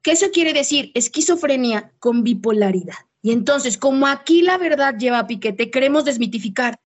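Mexican woman, podcast host, high voice, slangy and playful. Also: normal speed. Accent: Mexican Spanish. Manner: slangy, playful, swings into lively voiced quotes. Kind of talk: casual podcast chat.

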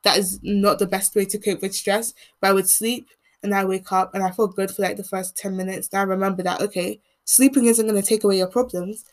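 Young woman, croaky voice, earnest and measured, solo podcast talk, mid-range pitch. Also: steady tone. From England. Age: teens. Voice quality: croaky voice when speaking long. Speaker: podcast host. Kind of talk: reflective solo monologue.

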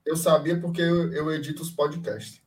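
A man's voice: a little high, fairly even intonation, normal speed, recorded from a distance, a loud crowd. A man with a Northeastern Brazilian accent from Ceará in casual podcast chat as editor and co-host.

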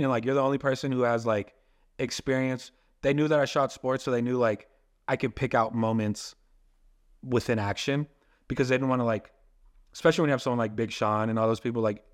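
A young man, a filmmaker and photographer, talking casually as a podcast guest and telling long rambling stories. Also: mid-range voice. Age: young adult. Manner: casual, rambling storytelling with many "like" fillers.

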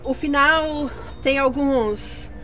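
A woman co-hosting a casual livestream in Brazilian Portuguese, talkative and quick to giggle. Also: high voice, a bit bright. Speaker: co-host. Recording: stream audio with clear music behind.

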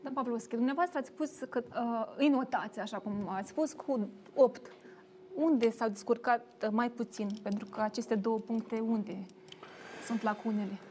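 A woman's voice: a little high, dark tone, slight background noise. Woman host posing pointed questions. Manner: probing questions, polite address. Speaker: talk show host. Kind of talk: moderating a studio debate.

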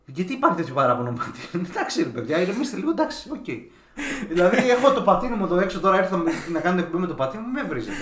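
Loud joking man in an echoey room. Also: sits high, very animated, slight background noise. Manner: loud, swearing, laughing, jokey. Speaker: podcast co-host reading listener messages. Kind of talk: casual crude banter.

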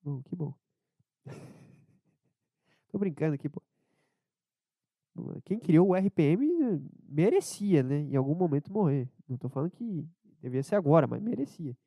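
A man with a southern Brazilian accent rambling casually as a solo podcast host, low-energy and irreverent, hungover and under the weather with a cold. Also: sing-song, unhurried, long pauses, no room sound, highs cut off. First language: Portuguese. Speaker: podcast host and amateur comedian.

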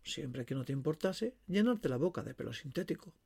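A man narrating a horror short story dramatically and expressively, savouring his pauses and words. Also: a little high, animated, creaky, warm tone, husky.

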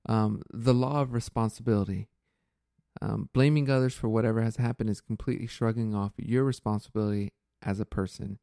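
A male podcast host with a fairly low, mellow voice. He talks earnestly and reflectively, thinking aloud with plenty of fillers and restarts. The sound is dry and close. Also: steady tone, fairly quick, no echo. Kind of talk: casual reflective chat.

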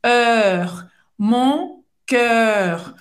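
A woman with a Brazilian Portuguese accent and a fairly high voice, co-hosting a relaxed podcast lesson. She explains pronunciation slowly and repeats words for the listener. Her voice carries a noticeable room echo. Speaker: French teacher co-host. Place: living in France. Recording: roomy echo.

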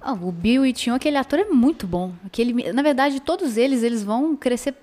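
A woman co-hosting a casual film review chat, speaking in a relaxed way with frequent short agreements. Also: on the high side, a little fast.

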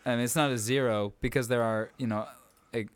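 A young man co-hosting a casual podcast in a blunt, joking way, quick to tease. His voice sits at an everyday middle pitch. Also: steady tone. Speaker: podcast co-host. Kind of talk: casual chat.

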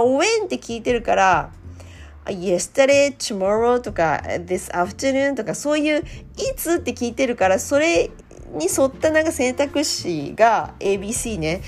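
A woman hosting a casual talk show, chatty with frequent fillers and laughter. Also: fairly high pitch. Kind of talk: casual chat.

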